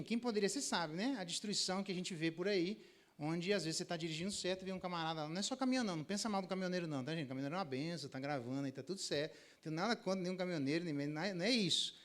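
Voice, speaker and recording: A man's voice: a little high, rapid-fire. A middle-aged Brazilian man, a pastor, teaching a Bible lesson with anecdotes and acting out the dialogue himself. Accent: Brazilian Portuguese. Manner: lively storyteller, acts out dialogue in raised voices.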